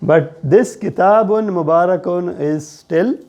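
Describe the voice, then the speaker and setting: Male teacher, South Asian accent. Unhurried, deliberate classroom explanation, soft-edged timbre with some creak. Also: high voice, muffled recording. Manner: deliberate, explanatory, checking questions. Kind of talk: classroom lesson on Arabic grammar.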